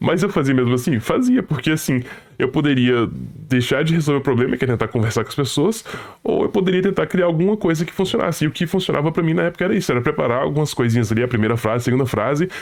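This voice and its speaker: Very fast and lively in intonation, a man talks in a fairly high voice. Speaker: programmer and tech educator youtuber. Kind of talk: personal vlog monologue. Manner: hesitant fillers.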